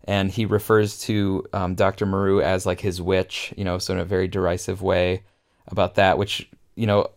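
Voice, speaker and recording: A man with a low, smooth and resonant voice talks through a film scene in relaxed podcast chat. He sounds keen, with plenty of "like" and "um" along the way. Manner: enthusiastic, frequent fillers and laughs. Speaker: podcast co-host. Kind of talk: casual film discussion.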